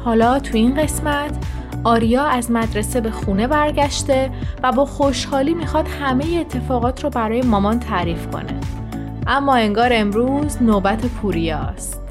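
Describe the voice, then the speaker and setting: Higher-voiced woman host over music. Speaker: program host. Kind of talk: scripted show introduction. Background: background music.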